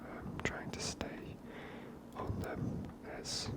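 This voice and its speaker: A man giving gentle, unhurried ASMR game commentary in a breathy whisper, close to the microphone.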